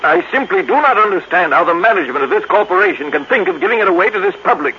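Stern, pedantic professor on old radio. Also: male voice, high voice, animated, rapid-fire. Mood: disdainful. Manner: pedantic, formal, precise. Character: stern, haughty older male scientist, indignant professor. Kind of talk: 1950s radio drama acting. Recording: dull, noisy old radio recording.

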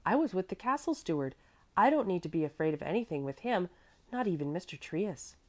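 A woman's voice: on the low side, big pitch swings, brisk, pitched above the performer's own voice. A woman voicing a chatty, trusting little girl who prattles eagerly in a children's storybook. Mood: calm, assured.

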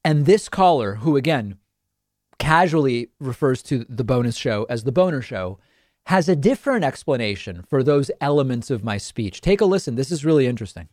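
A man who grew up in southern western New England, and has that region's accent, hosts a political talk show as a casual monologue, chatty and digressive with frequent restarts. His medium-pitched voice is expressive and darkish at a normal speed, and the recording is dry and studio quality.

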